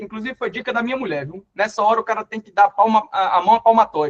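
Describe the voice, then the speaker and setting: This man's voice is high, with ordinary pitch variation. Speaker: court civil servant and trainer. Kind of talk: tutorial. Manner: casual.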